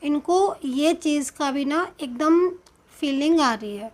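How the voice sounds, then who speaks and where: A woman with an Indian accent giving a tarot reading in a slow, hesitant, explanatory way, full of fillers and pauses. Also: high-pitched, expressive. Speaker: tarot card reader.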